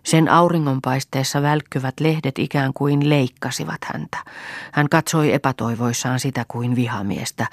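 Woman reading an audiobook, calm and measured, soft voice, dry studio sound. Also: extremely low pitch, no echo. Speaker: audiobook reader. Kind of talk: scripted literary narration.

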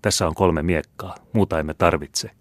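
Guy reading as a bold young soldier, brisk and firm, very deep and dry. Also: no room sound, close to an everyday voice. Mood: eager.

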